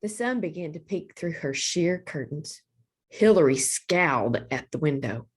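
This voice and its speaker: A woman hosting storytime, reading a children's picture book aloud in a deliberate, expressive storytelling manner. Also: deep voice, husky. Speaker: storytime host, librarian.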